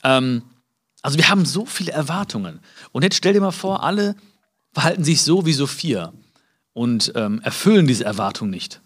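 A man giving a live motivational talk. He speaks to his listeners directly, acts out little dialogues and jumps high in pitch to stress a point. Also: lively intonation, normal speed, breathy edge. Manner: many fillers and restarts, acts out small dialogues.

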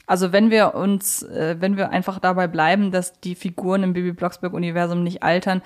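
A woman's voice: lowish voice, level tone, brisk. A woman co-hosting a podcast in a casual, conversational discussion. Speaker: podcast co-host.

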